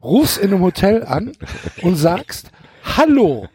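High, lively man mocking a story. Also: unhurried, breathy edge. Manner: animated, acts out scenes mockingly. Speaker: podcast co-host. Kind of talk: casual comedic chat.

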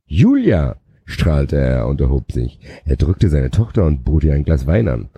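A man's voice: a bass voice, lively intonation, moderate pace, mellow, breathy edge, no echo. A man, a podcast co-host who reads a novel aloud, stumbling and adding sarcastic asides. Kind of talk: mock reading of a novel aloud with commentary.

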